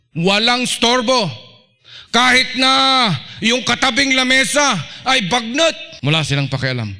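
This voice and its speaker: With a voice that sits high, a middle-aged man from the Philippines preaches a spirited church sermon as a pastor, playing out small scenes from daily life.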